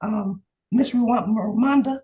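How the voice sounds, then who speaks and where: A hoarse woman insurance agent sharing her news in an excited, chatty way on a video call. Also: a little high, slow pace, lo-fi sound. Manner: excited, testimonial chat with laughs. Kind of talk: casual video call chat.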